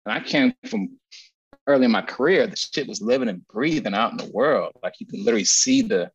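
A man being interviewed as an agency strategist, telling stories in a blunt, animated way with lots of swearing and repeated words. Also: medium pitch, fairly quick, vocal fry, breathy edge, lo-fi sound. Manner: animated storytelling, frequent profanity and repetitions. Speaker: guest, agency founder and strategist. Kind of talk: casual podcast interview.

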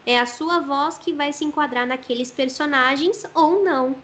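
A woman's voice: high-pitched, moderate pace, a bit bright. A Brazilian woman who works as a voice actress, explaining her craft thoughtfully in an interview. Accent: Brazilian Portuguese.

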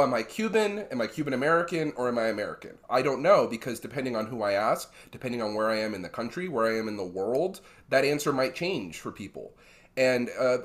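A man who is an actor, a guest in an interview, speaking in an animated, emphatic way. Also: mid-range voice. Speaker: actor, cast member guest. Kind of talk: casual interview chat.

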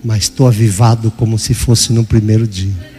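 An older man preaching a sermon as pastor, dramatic, acting out voices and sometimes shouting. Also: lowish voice, fairly even intonation, normal speed, long reverb tail, soft background music.

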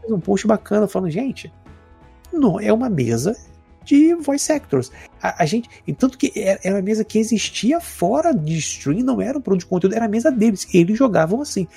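A man with a Brazilian accent, chatting casually on a podcast in a relaxed, rambling, slangy way. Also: sits high, brisk, gravelly, husky, faint music behind. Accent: Brazilian Portuguese. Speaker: podcast co-host. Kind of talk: casual chat about tabletop games.

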